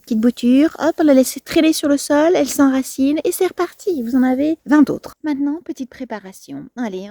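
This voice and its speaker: A woman's voice: sits high, mellow, no echo, clean studio sound. A woman, presenting plants in a casual garden vlog, chatty and playful, with many fillers and asides.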